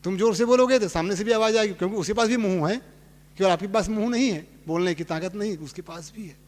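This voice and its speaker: A man's voice: high-pitched, quick pace. A man, a spiritual teacher, giving a plain, conversational sermon with homely examples. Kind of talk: sermon with sung verses. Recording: long hall reverb.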